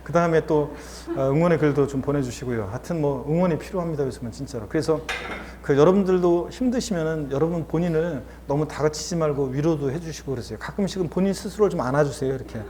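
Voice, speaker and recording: A male instructor gives a lecture in a chatty, encouraging manner, often pausing to reassure his students. His voice sits a little high for a man but sounds mellow and warm. A faint hiss of noise sits behind him.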